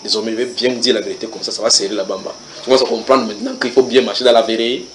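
A man preaching a church sermon, animated, with many rhetorical questions, swinging from loud bursts to quiet asides. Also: fairly low pitch, racing, slight background noise.

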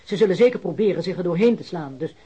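Anxious criminal informer, fast, soft dark timbre, placating, pleading, radio drama. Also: male voice, high voice, expressive, husky, highs cut off, full character voice. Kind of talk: Dutch radio drama acting.

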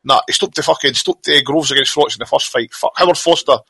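A man's voice: fairly high pitch, fast talker, creaky, bright, forceful tone, breathy edge, dry recording. A man co-hosting a boxing podcast, sweary and emphatic about referees. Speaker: podcast co-host. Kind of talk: casual boxing chat.

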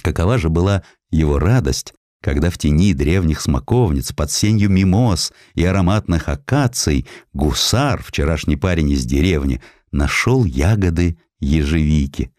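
A man reading a scripted historical narrative in a measured, expressive storytelling way. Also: extremely low pitch, no echo, studio quality. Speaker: audiobook narrator.

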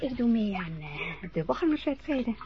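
An actress playing a chatty, eager young woman carer in a radio play, with a husky, breathy voice. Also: mid-range voice, big pitch swings, moderate pace, lightly acted. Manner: chatty, eager, a little bossy. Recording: dull lo-fi radio play recording.

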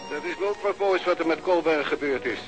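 A man acting an authoritative police superior in a Dutch radio drama, pressing and admonishing in a forceful way. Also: on the high side, a little fast, loud music behind the voice, lightly acted. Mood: concerned, insistent.

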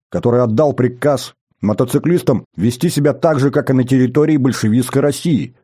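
A man's voice: medium pitch, mellow, close to an everyday voice. A man voicing a polite, earnest captured German sergeant explaining himself.

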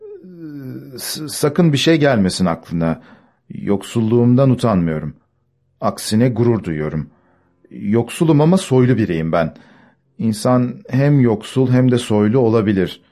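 A man reading an audiobook, voicing a bitter, anxious poor man who shouts at his servant and stammers when flustered. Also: medium pitch, sing-song, measured pace.

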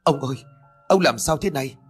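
A man voicing an older village wife in a horror story, fussy and shrill, with a high raised pitch. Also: fairly quick, breathy edge, soft background music, lightly acted. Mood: panicked.

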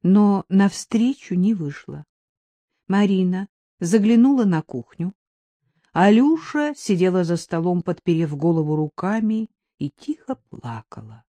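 A woman narrating an audiobook in a calm, even storytelling manner. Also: fairly low pitch, unhurried, no echo.

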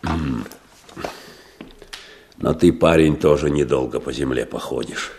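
An actor playing a bitter, defiant village man under arrest in a Russian radio drama, husky and threatening. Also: very deep voice, unhurried, a little mellow, a little hiss or hum, heavily acted. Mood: grudging, threatening. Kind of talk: Russian radio play acting.

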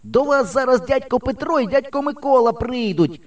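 A man voicing an earnest, excited village boy who talks in urgent, breathless pleas in an audiobook. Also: very high voice, normal speed, no echo, voice pushed up. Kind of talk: audiobook character voice.

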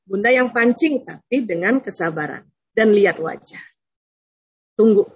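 A woman giving a religious talk on parenting, lively and often laughing as she acts out prayers and children. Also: mid-range voice, takes it slowly, breathy edge, muffled recording. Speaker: speaker on Islamic parenting. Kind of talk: religious talk with audience questions.

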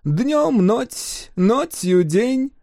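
A man voicing a proud foreign Greek merchant in a storybook, who speaks slowly in a high voice. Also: sing-song, gravelly, darkish tone, dry recording, studio quality, heavily acted. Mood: smug. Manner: slow, drawling, high-pitched.

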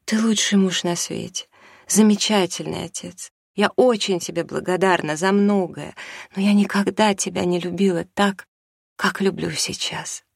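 A reader voicing a desperate mother torn by a new love, pleading in a husky, high, breaking voice. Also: fairly even intonation, moderate pace, no room sound, clean studio sound. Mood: anguished. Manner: pleading, tearful, rising to high anguished pitch. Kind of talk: audiobook reading.

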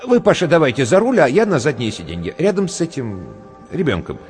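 A man voicing a calm, gentle old male scientist who speaks soothingly. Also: a little high, a little fast, pitched above the performer's own voice. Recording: long reverb with faint music.

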